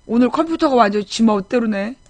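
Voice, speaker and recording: A woman's voice: on the high side, lively intonation, brisk, no room sound. A woman in her forties hosting a live political chat show, recalling her childhood in a rambling, chatty way with frequent restarts. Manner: chatty storytelling with frequent restarts, reads viewer names aloud. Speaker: political talk show host. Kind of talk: casual live-stream chat.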